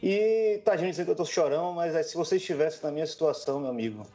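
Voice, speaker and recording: A man chats in a relaxed, mellow tone. His delivery is wry and grumbling, like a podcast panelist airing complaints. The sound is slightly muffled, with faint music behind him. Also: fairly high pitch, fast talker. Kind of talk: casual chat. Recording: muffled lo-fi remote connection.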